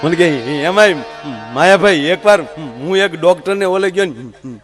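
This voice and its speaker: A male folk comedian spins comic stories on stage. His voice is slightly high for a man, and his telling is lively, with stammers acted out for laughs. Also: normal speed, faint music behind. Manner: lively, acts out stutters in his tales. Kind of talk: stand-up storytelling.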